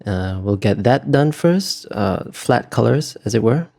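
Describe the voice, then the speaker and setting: A man answering interview questions in a casual, explanatory way, halting often with pauses and fillers as he talks. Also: medium pitch, animated, gravelly, a little mellow. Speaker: interview guest, visual artist.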